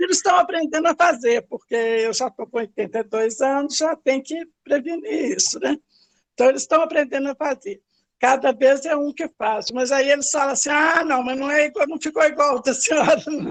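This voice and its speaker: Her voice high in pitch, a woman speaks at a moderate pace with ordinary pitch variation in a dry, close sound with no echo. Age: 80s+. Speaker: retired seamstress, workshop participant. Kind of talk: casual testimony in online workshop.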